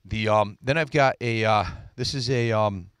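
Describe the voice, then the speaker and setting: Middle-aged man, low and clear, dry close handheld mic outdoors; casual rambling sales walkaround. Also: moderate pace, a bit bright, no room sound. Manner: rambling, many fillers and restarts. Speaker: seller presenting equipment. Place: outdoors on a lawn.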